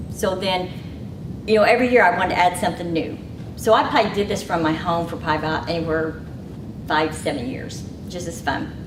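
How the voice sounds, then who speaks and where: A woman with a fairly low pitch speaks at a very fast pace, broken by long, frequent pauses. Noticeable background noise and audible room echo fill the recording. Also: ordinary pitch variation. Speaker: small business owner. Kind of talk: talk to an audience.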